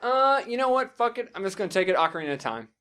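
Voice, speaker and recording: A man with a slightly high voice chats casually as a podcast co-host. He is blunt and informal, dropping swear words as he banters about games. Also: big pitch swings, fast, fairly bright tone, smooth.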